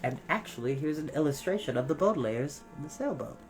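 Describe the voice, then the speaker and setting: A low-voiced woman reads a storybook aloud at a quick pace as storytime host, with faint music behind her. Her reading is expressive, with careful stress on key words.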